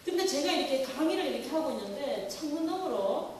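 A Catholic nun lecturing to an audience, telling a story in an animated way and acting out quoted lines. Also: female voice, high voice, fairly quick, slight background noise. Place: lecture hall. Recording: echoey hall from far off.

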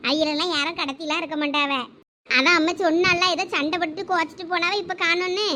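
A woman's voice: very high voice, fairly even intonation, fast talker, pushed and bright, a little hiss or hum. A woman voicing a know-it-all college girl, talking in a dismissive, chattering way.

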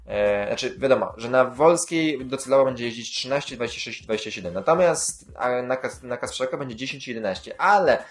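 A man's voice: medium pitch, lively intonation, brisk, few pauses. A man hosting a casual news roundup, rambling with filler sounds and self-corrections, and dropping dry sarcastic asides. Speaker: YouTube host covering city transit news.

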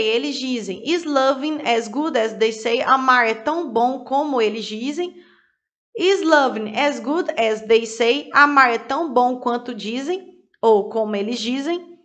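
A woman's voice: high-pitched, a bit bright. A woman gives an English lesson built on song lyrics. She takes the lines word by word and repeats each phrase with its translation. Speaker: English teacher.

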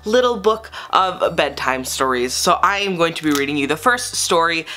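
A channel host gently reading a bedtime story aloud to viewers. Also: male voice, on the high side, animated, moderate pace, a little hiss or hum.

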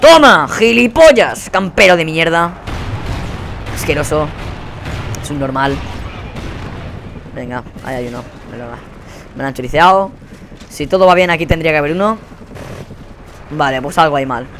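A young man with a Spain Spanish accent giving live gameplay commentary. He rants in a profane, exasperated way and often bursts into yelling. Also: a little high, moderate pace, pauses often, a little hiss or hum. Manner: profane, exasperated ranting with sudden yelled outbursts. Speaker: gaming channel host.

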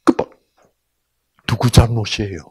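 A man's voice: lowish voice, unhurried, slightly rough. A man giving a Bible lecture in storytelling style, asking the audience questions and acting out the people in his story. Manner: animated, acts out voices in dialogue.

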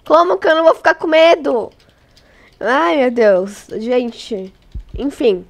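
This is a high-pitched woman giving casual gameplay commentary. She sounds congested from a cold. She chats to her viewers and squeals easily at scares. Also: slow pace, gravelly. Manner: excitable, squeals and laughs when startled, talks to viewers. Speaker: gaming channel host.

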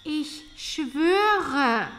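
A woman's voice: sits high, expressive, very slow, fairly bright tone, heavily acted. A woman playing a vain, gushing countess in an audio drama, affected, effusive and disdainful. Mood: haughty disdain. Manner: affected, effusive, with tinkling social laughs. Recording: long reverb, faint noisy ambience.

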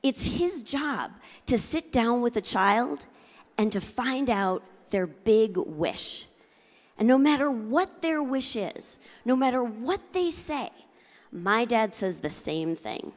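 High-voiced woman keynote speaker in reverberant hall. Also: slow pace. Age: middle-aged. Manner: animated, theatrical emphasis, working the audience. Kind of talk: motivational keynote with comic storytelling. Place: large convention hall, indoors. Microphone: handheld microphone. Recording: live hall PA with long reverb.

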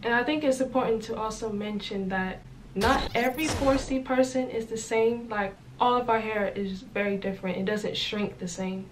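A woman's voice: a little high, normal speed. Young woman making her point on a vlog, pretty emphatic, little bit of hum behind. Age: young adult. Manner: emphatic, opinionated. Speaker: vlogger. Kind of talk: casual chat. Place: small indoor room, white wall.

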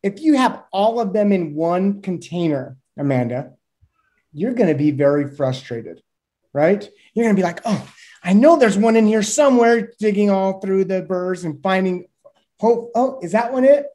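A man's voice: sits high, moderate pace. A man in his thirties, a guest expert explaining things animatedly to a host over a video call from a small room. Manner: animated, gestures with hands, uses homely examples. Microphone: webcam on a video call.

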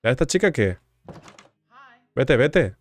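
A man casually commenting on his gameplay, teasing and chatting with the game's characters in a low murmur. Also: big pitch swings, slow. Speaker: gaming streamer.

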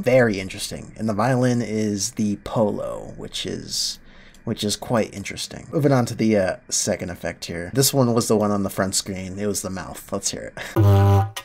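A man's voice: fairly low pitch, normal speed. A young man hosting a gaming video, sniffly from a cold, reacting casually with laughs and rambling asides. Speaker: gaming channel host. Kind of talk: casual game commentary. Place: home room, indoors. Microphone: headset mic.

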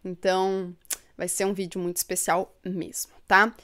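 Young woman, chatty live-stream host; smooth, clear voice at mid pitch. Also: flat delivery, moderate pace, fairly bright tone. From São Paulo state, Brazil. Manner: chatty and upbeat, laughs often, reads viewer comments aloud. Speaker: book channel host. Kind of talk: live stream chat with viewers. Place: home room with bookshelves, indoors. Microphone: desk microphone in front.

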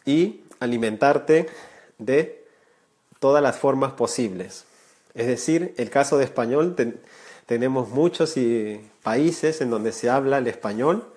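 A man's voice: mid-range voice, a little mellow. A man in his thirties, a Spanish teacher, talking earnestly and directly to viewers during a live stream from a small room. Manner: earnest, gestures with hands, addresses viewers directly. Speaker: Spanish teacher, channel creator. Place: small room indoors, warm lamp light.

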